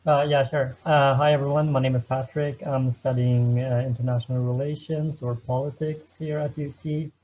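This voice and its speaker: A man's voice: medium pitch, level tone, normal speed, few pauses, darkish tone, highs cut off. A young man from Sweden, a student, introducing himself casually. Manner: casual, easygoing. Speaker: student ambassador.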